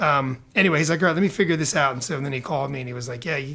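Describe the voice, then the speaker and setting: This man speaks with an American accent. His voice has a bright, sharp tone and sits fairly high in pitch. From New York. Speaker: firefighter. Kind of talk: casual chat. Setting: studio.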